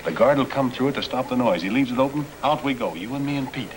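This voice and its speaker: A man's voice: medium pitch, lively intonation, fast talker, crowd noise, natural voice. A male actor playing a tough, scheming convict who talks in prison inmate slang, in 1950s screen drama style. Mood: conspiratorial, urgent. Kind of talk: 1950s black-and-white screen drama acting. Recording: noisy old film soundtrack.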